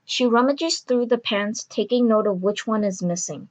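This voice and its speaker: A woman's voice: mid-range voice, moderate pace, darkish tone, lo-fi sound. A woman reading scripted story narration for an audio drama.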